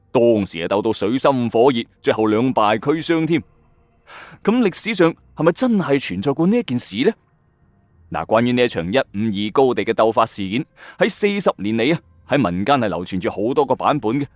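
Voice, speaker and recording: Over background music, a male ghost story channel host with a Hong Kong Cantonese accent narrates a tense late-night ghost story casually, tossing in exclamatory asides. His voice sits in the mid range, and there's no room sound on the recording.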